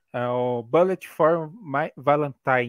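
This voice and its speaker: A normal speaking voice from a man, fairly high-pitched, with ordinary pitch variation against a quiet background. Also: dry sound with no echo. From Brazil. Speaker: YouTube channel host. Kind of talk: casual chat. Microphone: headset.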